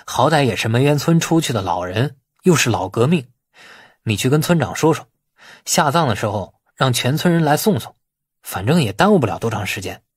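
A shrewd, bossy man, acted out by a male narrator in an audiobook drama. His voice is husky and lively in pitch, brisk and persuasive, recorded very dry. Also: no room sound. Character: shrewd, bossy man giving orders by phone.

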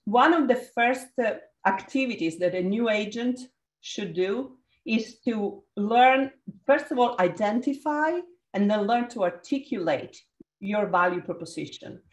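Italian-accented woman facilitating over a video call, lively and encouraging, roomy echo. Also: mid-range voice, measured pace. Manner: energetic, encouraging, calls on participants. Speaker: workshop facilitator. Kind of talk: leading a group video call.

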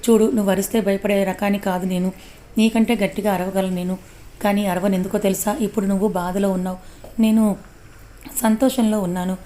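A woman voicing a mysterious male kidnapper who taunts calmly on the phone. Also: medium pitch, a little hiss or hum, natural voice. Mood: taunting. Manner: mocking, laughing, calm and quick.

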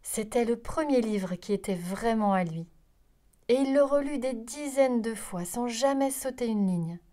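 A woman reading a children's picture book aloud, telling it in an expressive, lively way. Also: fairly high pitch, measured pace. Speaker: storyteller. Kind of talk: children's story read-aloud.

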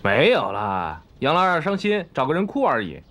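A man's voice: fairly high pitch, huge pitch swings, moderate pace, a bit bright, exaggerated voice. An actor playing a flustered, easygoing young man in a period TV drama. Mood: sheepish. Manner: flustered, pleading. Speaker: young son, suitor.

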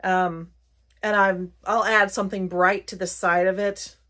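A woman's voice: mid-range voice, little pitch movement, unhurried, fairly bright tone. A middle-aged woman with a light Southern American accent, chatting casually and in a rambling, self-correcting way as she presents a haul video. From Virginia, United States. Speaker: haul and craft vlogger.

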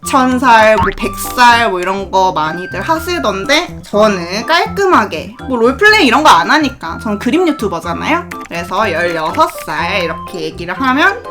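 A young woman chatting on a livestream in a cute anime streamer manner, playful, giggly and animated. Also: medium pitch, normal speed, hardly any pauses. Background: music.

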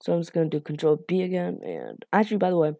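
A woman with a slightly raspy late-night voice hosts a casual coding tutorial, rambling and apologizing with lots of fillers. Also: on the low side, huge pitch swings, fast, mellow, no room sound. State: a bit raspy from being up late.

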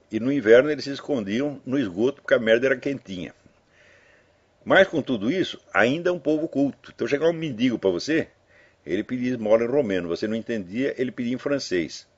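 Addressing listeners, an older man delivers casual, loose commentary full of anecdotes and tag questions. He has a husky, darkish voice whose pitch swings widely. The audio is dull and lo-fi.

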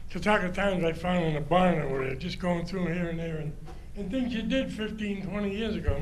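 An older man speaking as a citizen at a public comment microphone in a large council chamber, friendly and halting, with many restarts. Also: high voice. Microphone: standing microphone. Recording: roomy hall sound, faint hum.

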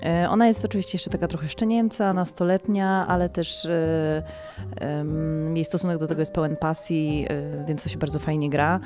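A woman's voice: sits low, flat delivery, normal speed, music in the background. A woman in her twenties, an actress, speaking thoughtfully and tentatively in an interview. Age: 20s. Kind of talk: interview talk. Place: indoor corridor. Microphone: handheld reporter microphone.

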